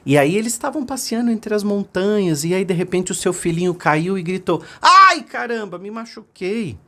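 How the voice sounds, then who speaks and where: A man with a Brazilian Portuguese accent giving a motivational self-help talk, animated and storytelling. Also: sits high, a little fast. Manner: animated storytelling, acts out voices in his stories.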